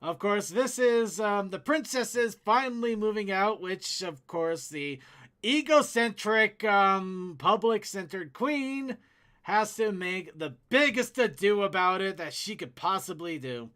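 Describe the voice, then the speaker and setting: A man with a high-pitched, bright voice hosts a casual fan discussion. His delivery is halting and stop-start as he works through his commentary. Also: animated. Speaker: host.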